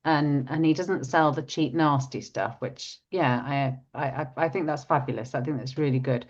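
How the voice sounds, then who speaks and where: A woman's voice: low voice, moderate pace. A woman whose first language is not English, chatting casually as co-host, with a frog in her throat and many restarts. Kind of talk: casual chat. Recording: dull lo-fi sound.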